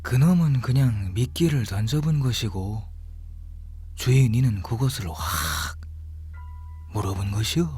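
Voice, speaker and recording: An actor putting on an ominous shaman with a husky voice and a slow, portentous delivery, as a horror parody. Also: mid-range voice, animated, darkish tone. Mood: mock ominous.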